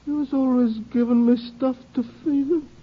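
An actor playing a frightened, childlike, simple-minded backwoods son in an old radio drama, with halting, pleading speech. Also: high voice, fairly even intonation. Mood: pleading, sad. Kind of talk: 1950s radio drama acting. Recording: dull old radio broadcast recording.

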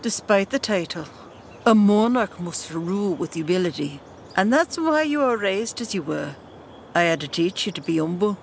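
A woman's voice: medium pitch, lively intonation, normal speed, slight background noise, natural voice. A woman playing a stately tribal queen and mother in a fantasy audio drama, stern yet regretful, speaking formally and regally. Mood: stern, dignified.

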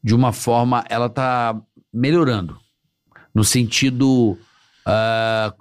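A man's voice: mid-range voice, fairly even intonation, takes it slowly, clean tone. A man hosting a podcast, talking casually and thinking aloud with frequent restarts and repeated words. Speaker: podcast host, former radio presenter. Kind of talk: casual chat.

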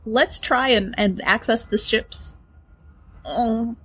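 A woman playing a tabletop game in character, lively and casually swearing. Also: a little high, slow, slightly rough. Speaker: player.

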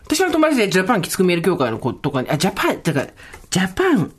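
A woman hosting a podcast, talking fast and joking with her co-host. Her pitch swings widely as she tells stories and teases. She laughs through many of her lines. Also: husky. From Tokyo, Japan. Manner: quick, animated, jokey, laughs often. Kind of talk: casual chat.

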